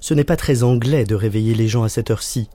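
A man's voice: medium pitch, fast, mellow, no echo, close to an everyday voice. A man voicing a fussy, doting mother who coos over her son. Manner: cooing and pampering.

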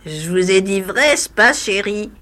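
With lively intonation and a sharp tone, a woman reads a short story a little slowly. She plays a spiteful, greedy old hag, disfigured, who cackles in a grating voice. The performance is wheedling, shrill and full of sneers.

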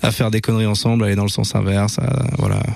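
A young man, a musician guest, answering casually in a relaxed, halting way and repeating words. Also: lowish voice, vocal fry.

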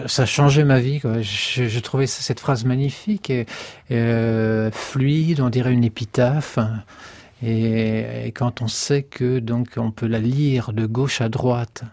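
A man, a guest poet in a radio interview, speaking in a halting, thoughtful way and often repeating words. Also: mid-range voice, darkish tone, no room sound.

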